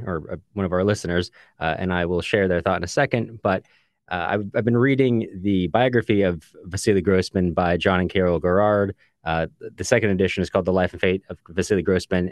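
A man's voice: on the low side, no room sound, studio quality. A man co-hosting a casual book discussion podcast, explaining in a discursive way with many asides. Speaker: podcast co-host. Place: recording booth.

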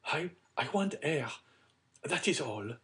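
A man's voice: high voice, big pitch swings, measured pace, pitched above the performer's own voice. A man voicing an anxious, genteel baroness in a storybook, refined and faltering as she hides distress.

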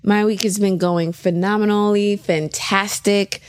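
A middle-aged woman with an American accent co-hosting a podcast, upbeat and quick with affirmations. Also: medium pitch, fairly even intonation, no echo, studio quality. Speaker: podcast co-host. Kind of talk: casual podcast chat.

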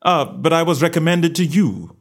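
A man voicing a shrewd gentleman detective in a story reading, self-assured and genteel with a careless, goading manner. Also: a little high, lively intonation, normal speed, pitched above the performer's own voice. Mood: affable, probing.

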